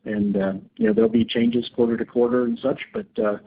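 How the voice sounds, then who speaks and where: A man speaking as a company executive, giving unscripted answers on an earnings call in a halting way, often repeating words. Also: mid-range voice, big pitch swings, creaky, slightly rough, narrow, tinny audio. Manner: halting, hedged, word-repeating delivery. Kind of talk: unscripted answers to analyst questions. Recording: thin band-limited conference call line.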